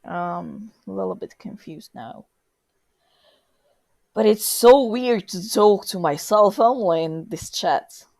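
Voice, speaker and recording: A woman's voice: medium pitch, lively intonation, takes it slowly, gravelly, darkish tone. A woman in a casual chat as a podcast co-host, speaking in a hesitant, self-effacing way.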